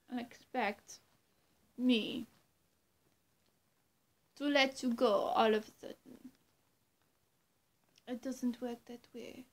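Casting: young woman acting female vampire for listener roleplay; higher-pitched, unhurried, teasingly menacing, dropping toward a whisper. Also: darkish tone. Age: young adult. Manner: halting, teasing threats with long pauses, often dropping to breathy near-whisper. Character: menacing, two-faced female vampire, sweet then threatening. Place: small room at home, indoors.

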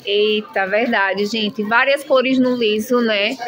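A woman's voice: medium pitch, steady tone, slow, fairly bright tone. A woman filming a chatty, gushing shopping vlog, showing clothes in a shop. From Brazil. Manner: gushing, chatty, constant "minha gente". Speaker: shopping vlogger. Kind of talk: enthusiastic product showcase. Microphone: handheld phone camera.

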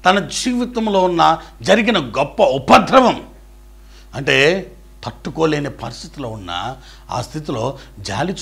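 A man preaches with a husky, bright voice that leaps around in pitch. He moves from loud, ringing declarations to hushed, intimate pleading. He speaks straight to the listener like a dear friend. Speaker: pastor. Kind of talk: sermon.

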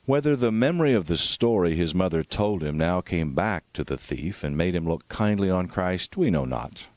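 A man's voice: low voice, animated, normal speed, darkish tone, no echo. A man reading a devotional sermon aloud in a solemn, dramatic, oratorical manner. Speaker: reader of a devotional book.

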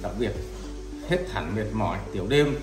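A man's voice: fairly low pitch, expressive, normal speed. A man in his sixties giving a customer testimonial. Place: indoor living room. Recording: roomy echo under loud music.

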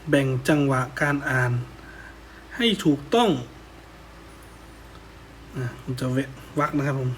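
A man's voice: mid-range voice, expressive, measured pace, long pauses, fairly bright tone, slight background noise. A man teaching a worksheet answer lesson, politely ending his phrases, and reciting a poem in a lilting chant. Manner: polite, ends phrases with "ครับผม".

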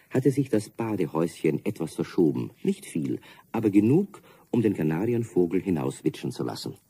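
A man narrating a children's radio play as a calm storyteller with a husky voice. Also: deep voice, heavily acted.

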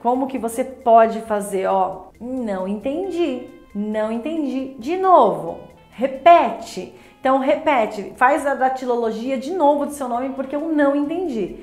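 A Brazilian woman teaching sign language in a lively, demonstrative way, repeating each phrase as she shows it. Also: sits high, a little slow, roomy sound, faint music behind. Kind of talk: friendly instructional explanation.

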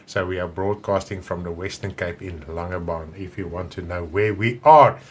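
A man in his fifties with a South African accent, an Afrikaans speaker, chatting warmly and rambling through a church broadcast welcome from his home. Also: low-pitched, moderate pace, slightly rough. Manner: chatty, rambling, with many restarts and hand gestures. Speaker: pastor. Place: home room with wall of plates, indoors.

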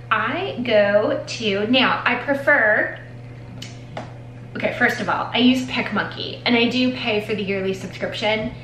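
A woman in her forties chats casually on her vlog, rambling and making fun of herself to the camera, from a home nail studio with shelves full of polish. Her voice is on the high side, pushed and bright. The rough recording is reverberant, with a little hiss or hum.

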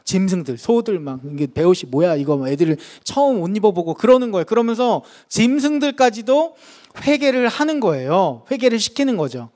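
Lively high-voiced Korean pastor preaching. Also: male voice. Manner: lively storytelling, acts out quoted voices. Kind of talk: sermon.

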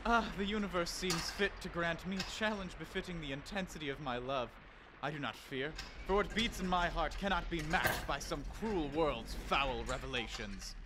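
A man playing an earnest high-school Romeo, declaiming grandly in theatrical Shakespearean style for an audio drama. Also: normal speed, noisy background, close to an everyday voice. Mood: grandiose, determined.

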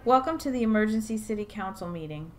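A woman's voice: mid-range voice, lively intonation, quick pace, lightly acted. A woman playing a composed town official giving a formal speech in an audio drama. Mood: formal, grave.

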